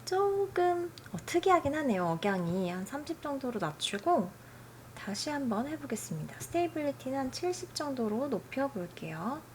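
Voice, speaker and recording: A woman hosting a software tutorial, explaining settings in a friendly, chatty way. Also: high voice, sing-song, normal speed, slight background noise. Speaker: tutorial host.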